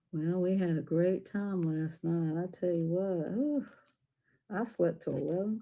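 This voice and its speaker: In a Southern US accent, the speaker goes at a fairly slow pace. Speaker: live streamer. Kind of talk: casual live stream chat. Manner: relaxed, folksy.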